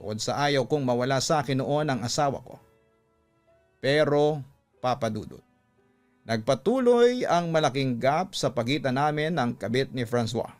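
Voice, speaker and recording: A man narrating a scripted love story for radio in an emotive, deliberate storytelling manner. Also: mid-range voice, animated. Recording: music under the voice.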